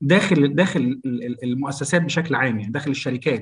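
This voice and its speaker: The man speaks with ordinary pitch variation. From Egypt. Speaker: knowledge management expert. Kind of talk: interview. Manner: animated.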